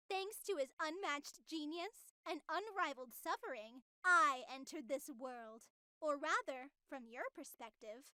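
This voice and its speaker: A woman's voice: high-pitched, bright, forceful tone, no echo, studio quality, exaggerated voice. A woman playing a sinister, coolly menacing female artificial superintelligence in a visual novel, with a grandiose, theatrical, politely threatening manner. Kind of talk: scripted visual novel voice acting.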